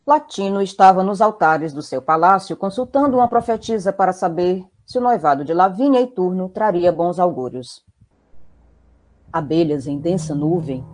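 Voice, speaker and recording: A woman's voice: lowish voice, lively intonation, moderate pace, darkish tone, faint music behind. A woman with a Brazilian accent reading scripted narration for an epic audio drama.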